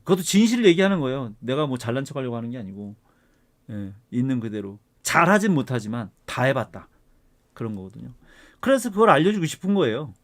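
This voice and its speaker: A middle-aged man, an art professor, lecturing casually and switching between heated ranting and quieter asides. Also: medium pitch, sing-song, fast. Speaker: art professor and channel host.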